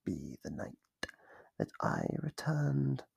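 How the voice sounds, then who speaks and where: Male performer as playful predatory monster, deep, husky rasp, drawn-out taunts, whispery ASMR roleplay. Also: huge pitch swings, a little mellow, no room sound, exaggerated voice. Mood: eager, predatory. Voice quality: gravelly, raspy, breathy. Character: sadistic, playful monster from under the bed, hungry for fear.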